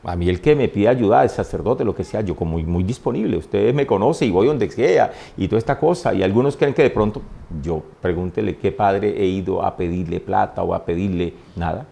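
A man, a priest, telling stories in a warm way and often laughing during an interview. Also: low voice, a little fast, vocal fry, few pauses. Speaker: priest, guest. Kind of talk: interview anecdotes. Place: TV studio.

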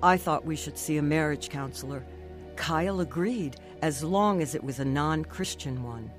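An actress playing an earnest, emotional middle-aged Christian wife in a radio drama. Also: female voice, low-pitched, normal speed, soft background music, lightly acted. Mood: earnest, reflective. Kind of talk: radio drama narration and dialogue.

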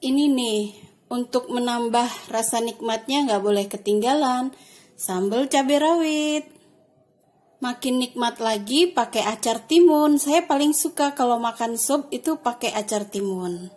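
A woman talks through her home cooking video as host. Her voice sits high and she takes her time, guiding each step in a chatty, relaxed tutorial tone. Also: a little slow. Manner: chatty, step-by-step, adds soft "ya" and "nah". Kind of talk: casual cooking tutorial voice-over.

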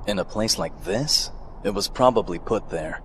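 A man's voice: fairly low pitch, normal speed, slight background noise, lightly acted. A man playing a terse, aloof young male mercenary in a fan dub, dry and muttering. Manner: curt, dry, muttering asides. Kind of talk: fan dub of a game scene.

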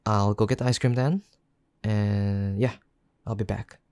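A caring young boyfriend played by a man in intimate roleplay audio. His voice is fairly low, mellow and soft. He talks slowly and affectionately, with gentle teasing aimed at his girlfriend. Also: steady tone, clean tone, no echo, close to an everyday voice.

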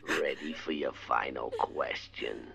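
A sinister masked phone killer, extremely low gravelly whisper, taunting. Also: male voice, slow, pushed and bright, full character voice. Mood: menacing. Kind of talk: audio play acting.

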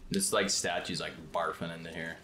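A young man thinking out loud through a game puzzle with a friend, relaxed and easygoing. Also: low-pitched, brisk, roomy sound, loud music behind the voice. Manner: laid-back, figuring out puzzles aloud. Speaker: gamer. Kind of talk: casual co-op gameplay chat.

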